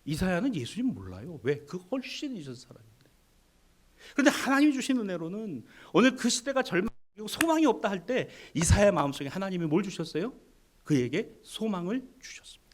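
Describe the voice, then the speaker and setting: A male pastor delivers a sermon in a slightly raised voice. He moves between quiet, intimate asides and forceful exhortation, acting out prayers and complaints as he goes. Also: sits high, big pitch swings, brisk. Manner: acts out quoted prayers and complaints in a shifting, hushed-to-loud voice. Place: church sanctuary.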